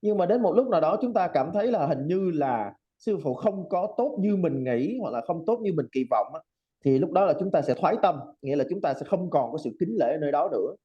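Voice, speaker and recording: A man, interpreting a Buddhist teaching in a steady, explanatory way. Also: fairly high pitch, fairly quick. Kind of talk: translating a dharma teaching. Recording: dull lo-fi audio.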